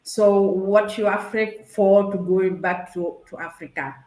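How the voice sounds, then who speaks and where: Female guest, hesitant, restarts often, middle pitch, roomy sound. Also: steady tone, measured pace, warm tone. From Senegal. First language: French. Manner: hesitant and searching for words, many restarts. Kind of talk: conversational interview over a live stream. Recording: echoey room.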